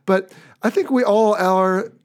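An American man hosting a podcast speaks in a high voice and takes his time. He's upbeat and chatty, casually wrapping up the episode.

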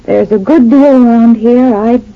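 An actress playing an earnest, hesitant grown daughter, in old radio-drama style. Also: female voice, a little high, measured pace, very noisy. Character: troubled grown daughter of a family. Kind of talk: 1940s radio acting. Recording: tinny thin old radio recording.

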